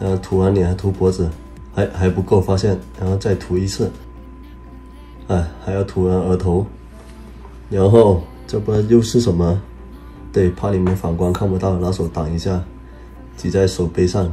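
With music in the background, a man with a Cantonese accent and a very deep, low pitch speaks at a moderate pace, with ordinary pitch variation and long, frequent pauses. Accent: Cantonese-accented Mandarin. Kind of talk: humorous voiceover commentary.

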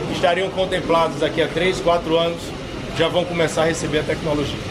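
Over noticeable background noise, a man speaks at a moderate pace with a high pitch. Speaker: news reader. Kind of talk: formal news reading. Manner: formal; steady, measured.

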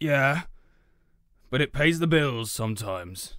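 The recording is very clean, with a silent background. A man speaks at a fairly slow pace in a medium pitch. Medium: audio drama. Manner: gruff, blustering, weary.

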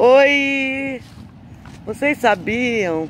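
Over noticeable background noise, a woman speaks in a calm, relaxed tone with lively intonation, the sound dry with no echo. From Brazil. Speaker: local columnist vlogging. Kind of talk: improvised spoken verse to camera. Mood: cheerful, reflective. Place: waterside. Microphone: phone near.

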